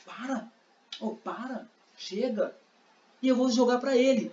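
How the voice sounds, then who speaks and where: In a roomy, dull lo-fi recording with a little hiss or hum, a Brazilian Portuguese-accented man teaches sign language interpreting. He speaks at a measured pace in a very high, warm voice, using examples and acting out scenes.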